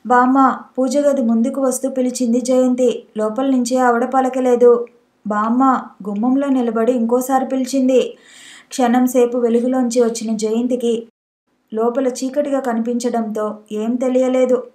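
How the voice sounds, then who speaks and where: A woman's voice: fairly high pitch, flat delivery, normal speed, darkish tone. A woman narrating a novel as an audiobook, reading steadily and evenly.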